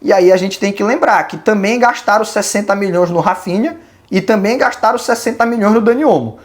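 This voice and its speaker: A host from Belém do Pará, Brazil, with a Brazilian accent, answering viewer questions in casual, opinionated commentary and reasoning out loud. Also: mid-range voice, fairly quick. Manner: opinionated, colloquial, reasoning aloud. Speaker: channel host.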